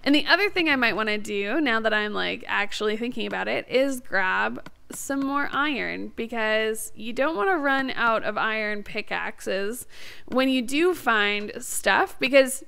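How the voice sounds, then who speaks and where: A woman's voice: on the high side, expressive, unhurried, gravelly, sharp tone, smooth. A woman giving casual let's-play commentary as the host of a gaming series, chatty, bubbly and enthusiastic.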